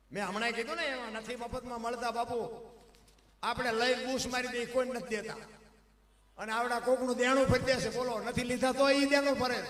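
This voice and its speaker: A man telling devotional stories as a sermon, swinging from soft talk to loud declaiming. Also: high-pitched, reverberant. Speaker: dayro storyteller.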